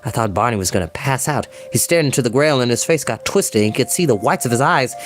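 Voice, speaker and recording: Schoolboy played by a man, earnest, informal, run-on retelling, very lively intonation, storybook. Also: medium pitch, quick pace, soft background music, lightly acted. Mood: earnest, shaken. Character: earnest schoolboy breathlessly recounting a frightening event.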